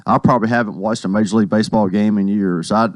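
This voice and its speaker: A man, a mayor on a guest spot, chatting in a friendly way with a slightly hoarse voice. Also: lowish voice, steady tone, quick pace, no echo. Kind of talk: radio interview.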